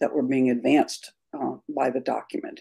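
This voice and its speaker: A woman with vocal fry and very wide pitch swings, at a moderate pace against a quiet background. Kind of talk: interview answer. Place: home room. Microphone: video call.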